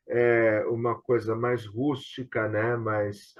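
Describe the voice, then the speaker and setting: A man's voice: mid-range voice, flat delivery, takes it slowly. A Brazilian man hosting a casual online conversation, telling anecdotes in a rambling way with frequent tag questions. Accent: Brazilian Portuguese. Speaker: host of an online tribute talk. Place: online video call. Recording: dull, lo-fi video call audio.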